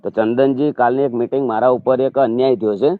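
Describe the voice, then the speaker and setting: A man's voice: medium pitch, steady tone, fairly quick, dry recording. A man with a Gujarati accent in a phone conversation, pressing his questions and complaints. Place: phone call. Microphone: telephone. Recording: tinny recorded phone call.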